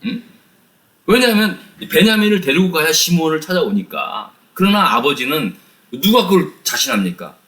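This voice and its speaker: Animated male Bible study teacher. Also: a little high, normal speed. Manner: animated storytelling with rhetorical questions; addresses listeners directly, often laughs.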